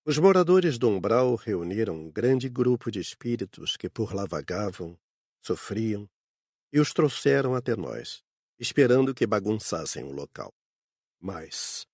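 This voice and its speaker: A man's voice: fairly low pitch, darkish tone, dry recording, heavily acted. Here is a man acting a steadfast spirit worker in an audiobook. The intonation swings widely while staying assured, like someone recounting past events. The recording is very dry. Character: adult male spirit worker defending the book fair, steadfast. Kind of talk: scripted audiobook dialogue.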